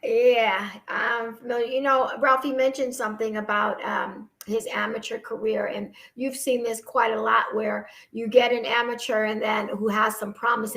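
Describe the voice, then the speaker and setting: A woman's voice: on the high side, a bit bright, low-quality recording. A woman co-hosting a boxing interview, asking questions in a friendly, teasing way. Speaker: interviewer, co-host. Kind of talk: casual interview chat.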